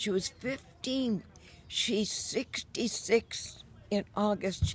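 The recording has a dry sound with no echo. A woman speaks in a somewhat breathy voice with ordinary pitch variation. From United States. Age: 80s+. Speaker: nurse. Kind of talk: interview answer. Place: garden. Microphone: phone near.

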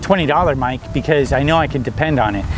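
A moderate pace and ordinary pitch variation in a dry sound with no echo, with music in the background. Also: man. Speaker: video creator testing gear. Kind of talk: casual tutorial talk. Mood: relaxed, cheerful. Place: waterside. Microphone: lapel.

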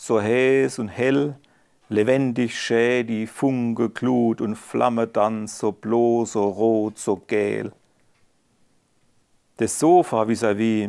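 A man speaks at a very slow pace with fairly even intonation against a quiet background. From Palatinate, Germany. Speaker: dialect poet. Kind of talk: dialect poetry reading. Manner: melancholic. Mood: calm, reflective. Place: home room.

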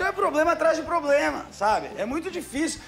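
A man with a Gaúcho Brazilian accent talks at a fairly quick pace while music plays in the background. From Rio Grande do Sul, Brazil. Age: 20s. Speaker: stand-up comedian. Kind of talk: stand-up comedy routine. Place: stage. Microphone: handheld.

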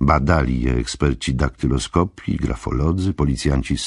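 A man speaks at a moderate pace. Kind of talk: literary audiobook reading, scripted narration. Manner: even, measured, formal narrator's pace.

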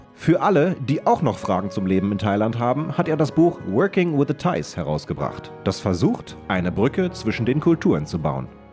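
Music plays behind a man speaking at a medium pitch and moderate pace. His pitch swings very widely, and he hardly pauses. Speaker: reporter. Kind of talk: documentary voice-over narration.

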